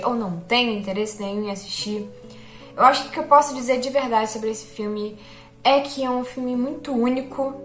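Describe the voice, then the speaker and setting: A young woman, a film vlogger, chats casually about a film she liked, often checking in with her viewers and poking fun at herself. Her voice is fairly high and fairly bright, and the room sounds echoey.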